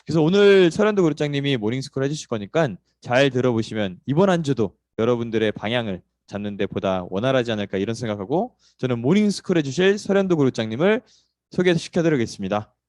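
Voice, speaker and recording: A man's voice: medium pitch, expressive, quick pace, a little mellow, no echo, studio quality. A man hosting an online morning session, talking in a chatty way with many fillers before he introduces the speaker. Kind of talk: casual introductory talk.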